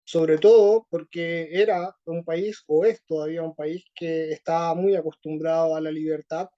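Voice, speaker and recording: A man with a Chilean accent answering interview questions slowly, with many pauses and fillers. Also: on the high side, steady tone, warm tone, highs cut off. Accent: Chilean Spanish. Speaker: interview guest. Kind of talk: conversational interview.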